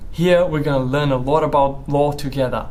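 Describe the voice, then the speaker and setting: A fairly high-pitched man with a Brazilian Portuguese accent at a moderate pace, with audible room echo. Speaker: law PhD student and educational youtuber. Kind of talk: channel introduction to camera.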